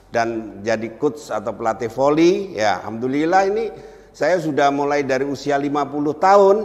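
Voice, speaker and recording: This man has a fairly high pitch and lively intonation. Noticeable background noise is present. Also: moderate pace. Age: old. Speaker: customer and volleyball coach. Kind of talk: testimony.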